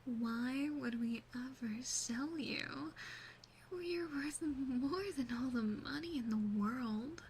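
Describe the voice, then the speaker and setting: Woman acting a slow, whispering, doting demon sister. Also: high voice, slight background noise. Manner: soft, soothing, teasing, deliberate whispering. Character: gentle, doting yandere demon big sister. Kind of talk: ASMR roleplay, mostly whispered. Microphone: close binaural ASMR microphone.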